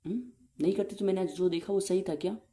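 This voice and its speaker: A man's voice: high voice, fast talker, warm tone. A young man in an intimate relationship argument, speaking in a reproachful, insistent and repetitive way. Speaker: boyfriend in a relationship call.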